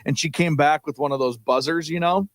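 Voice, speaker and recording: A man, co-hosting a morning sports radio show and telling stories with excitement and frequent laughter. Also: fairly high pitch, brisk, dry recording. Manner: excited storytelling, laughs often. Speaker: co-host. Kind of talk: casual sports radio chat. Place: radio studio.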